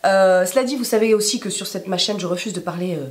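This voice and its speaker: A woman with a hoarse smoker's rasp being sick, chatting casually to camera in a rambling, self-deprecating way full of asides. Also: medium pitch, fast. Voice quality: raspy smoker's rasp from illness. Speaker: YouTube vlogger.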